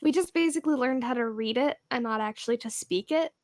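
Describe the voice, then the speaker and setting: A woman from Canada chatting casually on a livestream through a headset, relaxed. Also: on the high side, fast talker, no room sound.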